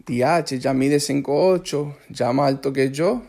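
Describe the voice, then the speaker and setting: A Puerto Rican man with a Puerto Rican accent, chatting casually with a relative in a relaxed, friendly way. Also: medium pitch, normal speed, gravelly, faint music behind. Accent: Puerto Rican Spanish. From Puerto Rico. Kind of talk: casual conversation.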